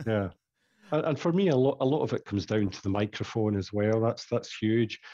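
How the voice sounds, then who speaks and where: A man with a Scottish accent speaks at a fairly low pitch in a dark, mellow tone against a quiet background. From Scotland. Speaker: rock bassist and songwriter. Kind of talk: casual interview chat.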